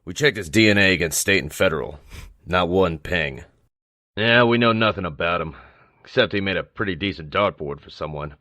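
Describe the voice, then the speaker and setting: An actor playing a world-weary older police commissioner in a crime drama, gruff and dryly sardonic. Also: male voice, low voice, expressive, normal speed, bright, forceful tone, no room sound. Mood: wry, weary. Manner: dry, gruff, musing. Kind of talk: crime audio drama dialogue. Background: background music.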